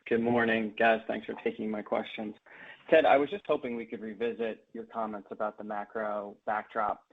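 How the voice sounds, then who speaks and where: Gravelly analyst over the phone. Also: male voice, fairly low pitch, fairly even intonation, normal speed. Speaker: financial analyst asking questions. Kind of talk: prepared conference call question. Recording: thin phone-line audio.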